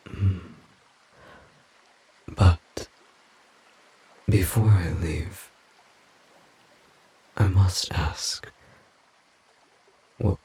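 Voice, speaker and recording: Forest demon, low gravelly creaky voice, solemn, formal, halting, protective, audio roleplay. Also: male voice, dark tone, a little hiss or hum, exaggerated voice, low-quality recording. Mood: hesitant, curious. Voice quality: breathy, gravelly, whispery rasp. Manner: slow, formal, halting, pensive.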